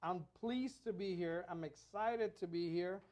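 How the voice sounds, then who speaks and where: A man co-hosting a casual podcast as a real estate agent, relaxed and chatty with many fillers. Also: high voice, unhurried. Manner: relaxed, repeats himself, filler-heavy.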